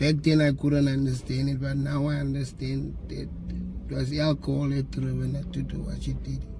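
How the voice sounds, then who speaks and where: Audible room echo and noticeable background noise around a man's moderately paced talking. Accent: South African. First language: Afrikaans. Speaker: interviewee, former street person. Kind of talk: interview testimony. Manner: halting.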